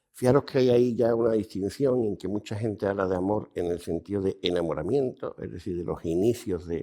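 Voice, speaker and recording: A man's fairly low-pitched voice, dark and mellow in tone, at a fairly quick pace with hardly any pauses and ordinary pitch variation. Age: 70s. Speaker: behavioral psychologist. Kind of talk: interview. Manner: halting.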